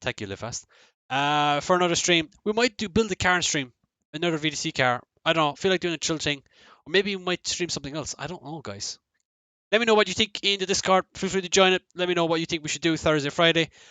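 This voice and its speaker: A man with an Irish accent, a high pitch, ordinary pitch variation and a very fast pace. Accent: Irish, drops TH sounds. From Ireland. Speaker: gaming streamer. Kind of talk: live stream chat. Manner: casual, rambling with fillers.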